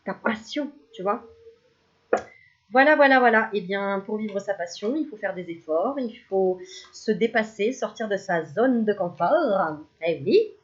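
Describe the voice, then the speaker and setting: Femme enjouée qui tire les cartes. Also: female voice, mid-range voice, animated, a little slow, dull audio. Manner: chatty, playful, laughs often, bursts into mock singing. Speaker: spiritual card reader. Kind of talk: casual card-reading video.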